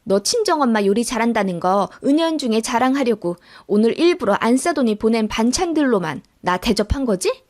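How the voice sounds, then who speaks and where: A woman's voice: fairly high pitch, animated, brisk, darkish tone, close to an everyday voice. A woman voicing a grudging older mother-in-law in a radio-drama story, with curt, dismissive retorts. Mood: bitter.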